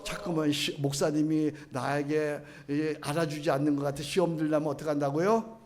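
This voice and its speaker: Male pastor, middle-aged, higher voice, leads call-and-response prayer, from hushed to loud chanting. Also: flat delivery, brisk. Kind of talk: sermon.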